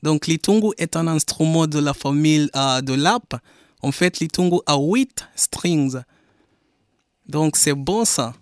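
A man's voice: a little high, a little slow, smooth, no echo, studio quality. A young man from Kenya, a Swahili native speaker, answering a radio interview as a musician and English teacher, speaking carefully in a second language. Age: young adult. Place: radio studio.

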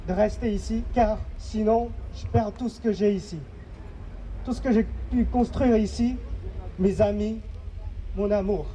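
A young man from Inner Mongolia in China, whose first language is not French, giving a slow, halting and earnest personal testimony at a public event. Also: sits high, steady tone, mellow, a little hiss or hum, rough recording. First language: a language of his home village.

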